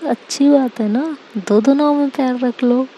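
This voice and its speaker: A woman's voice: high-pitched, a little slow, mellow, a little hiss or hum, voice pushed up. A woman voicing a playful, bossy young woman friend who teases and scolds in a storybook reading. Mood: teasing. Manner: teasing, scolding.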